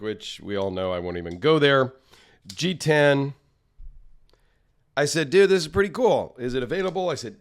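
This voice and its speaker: A man hosting a casual solo vlog, chatty and rambling, his voice a little raspy and tired from travel. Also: medium pitch. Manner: rambling, self-deprecating, chatty. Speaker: knife channel host.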